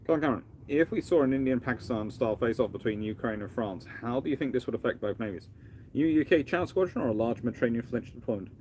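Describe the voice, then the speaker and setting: Quick and animated, this mid-range male voice with a darkish tone belongs to a UK history lecturer running a relaxed live Q&A stream. He wanders off on tangents and keeps restarting phrases, and there's slight background noise.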